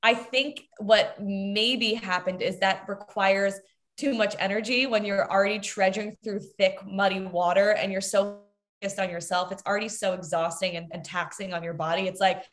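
A woman co-hosting a casual aftershow chat about a reality competition. She talks candidly and swears freely, and she gets animated when she is heated. Her voice sits at a middle pitch for a woman. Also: moderate pace. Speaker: podcast co-host.

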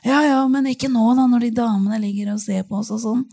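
A woman voicing the quoted words of a frail female hospital roommate in her thirties, who turns eager and excited. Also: fairly high pitch, vocal fry. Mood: hesitant.

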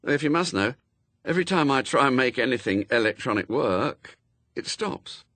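A man's voice: medium pitch, animated, moderate pace, a bit bright, no echo, lightly acted. A man voicing a hapless, gloomy, awkward man with a hesitant, wordy, apologetic way of talking in a storybook. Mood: defensive, unsure.

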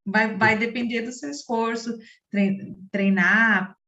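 A woman's voice: a little high, steady tone, slow pace, bright, forceful tone. A woman with a Brazilian accent chatting casually as an interview guest. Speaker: sign language interpreter, podcast guest. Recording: dull, echoey lo-fi room sound.

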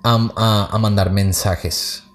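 A man's voice: lowish voice, fairly even intonation, slow, heavy background noise. Male podcast host reading stories. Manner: reads stories then comments in a casual, chatty way. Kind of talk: reading listener stories aloud.

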